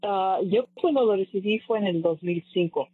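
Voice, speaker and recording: A woman's voice: mid-range voice, moderate pace, breathy edge, no echo. A woman telling her own story as a former scholarship recipient in an interview, earnest, with hesitant restarts. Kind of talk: casual personal story in an interview. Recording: dry tinny phone-like line.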